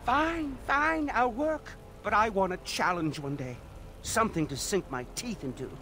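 A man's voice: expressive, unhurried, sharp tone, exaggerated voice. A man voicing a put-upon, haughty master armorer who complains his way through a fantasy video game. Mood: grudging. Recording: game audio with rumbling background noise.

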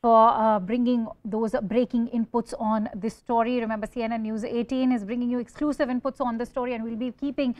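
A woman's voice: a little high, steady tone, a little fast, hardly any pauses, darkish tone, no echo. A woman with an Indian accent presenting live breaking news as a television anchor.

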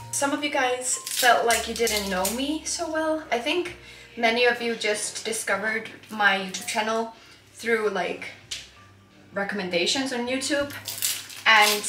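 A woman's voice: a little high, echoey room. A woman in her twenties from Iceland, chatting enthusiastically while cooking in a small home kitchen, with lots of "like" and "honestly". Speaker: lifestyle vlogger. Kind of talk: casual cooking vlog chat.

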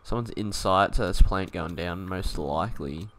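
A man's voice: low voice, moderate pace, fairly bright tone, slight background noise. A young man giving casual gameplay commentary as a video creator, laid-back, thinking aloud and swearing now and then. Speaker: gaming YouTuber.

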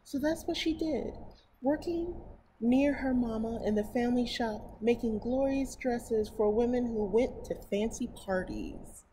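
This is a slightly high, slightly slow female voice: a middle-aged American woman reading a picture book to children at library storytime, expressive and exclaiming, with chatty, eager asides. The setting is indoors by a painted mural. The audio is poor, carrying clear, steady background noise.

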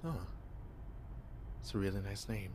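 A man's voice: low voice, lively intonation, a little slow, noisy background. A young man voicing a shy, clueless male vampire in an ASMR roleplay, stammering nervously as he pretends to be human. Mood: flustered, awkward. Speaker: voice actor.

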